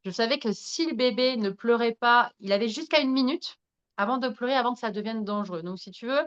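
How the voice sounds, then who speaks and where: A woman's voice: fairly high pitch, a little fast, smooth, lo-fi sound. A woman guest on a podcast, telling a personal story frankly and with animation. She swears freely, laughs at herself and speaks straight to the listeners. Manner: animated, addresses listeners directly. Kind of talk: candid storytelling in conversation.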